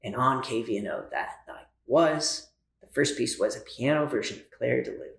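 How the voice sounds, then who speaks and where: A man of middle pitch tells a story in a calm, unhurried voice, as a guest on a podcast. The room around him is echoey. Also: gravelly. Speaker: radio host guest. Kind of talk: casual podcast conversation, storytelling.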